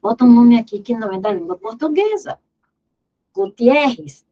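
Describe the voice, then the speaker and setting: A woman's voice: on the high side, very animated, fast talker, dark tone, muffled recording. A woman teaching an exam review lesson in Portuguese grammar, emphatic and repeating key words as she drills terms aloud.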